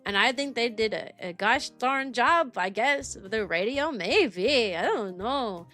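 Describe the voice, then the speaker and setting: A woman's voice: a little high, lively intonation, a little slow, pushed and bright. A woman livestream host chatting casually in a rambling way, repeating phrases for emphasis. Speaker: kindergarten teacher. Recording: music playing behind the voice. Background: background music.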